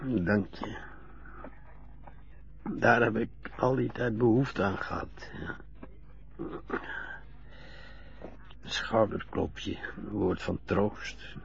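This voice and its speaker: An actor playing a lonely, frail elderly widower who talks in a slow, halting, stammering way. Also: male voice, on the low side, gravelly, full character voice. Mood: relieved. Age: older. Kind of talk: radio drama acting. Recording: dull lo-fi radio play recording.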